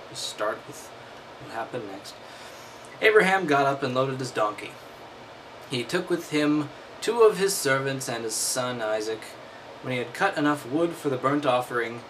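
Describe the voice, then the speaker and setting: A man's voice: mid-range voice, a bit bright, low-quality recording. Sarcastic man reading aloud over background noise. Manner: wry, mocking asides. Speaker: host.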